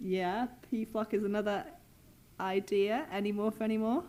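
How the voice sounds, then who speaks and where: Her voice has a British accent. This woman's pitch is medium. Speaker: microbiologist and conference speaker. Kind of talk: conference talk. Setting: stage with audience. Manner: fast.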